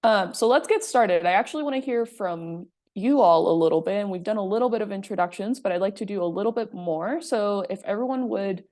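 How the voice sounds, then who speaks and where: A woman's voice: medium pitch, brisk, few pauses, a little mellow. A woman from Puerto Rico leading a workshop on a video call in a friendly way, with frequent "um" fillers. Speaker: presenter and workshop facilitator. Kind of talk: casual presentation on a video call.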